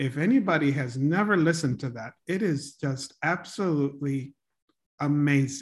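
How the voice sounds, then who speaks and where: In an American accent, the speaker uses a normal speaking voice at a moderate pace with ordinary pitch variation. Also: man, fairly high pitch for a man. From Maryland, US. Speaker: educator, DJ and poet. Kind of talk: casual interview conversation.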